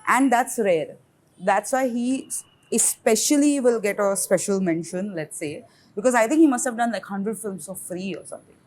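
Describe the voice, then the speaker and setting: A woman's voice: medium pitch, normal speed, darkish tone, low-quality recording. A woman filmmaker with an Indian English accent telling a story in a casual roundtable chat, laughing and slipping into Hindi. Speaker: independent filmmaker.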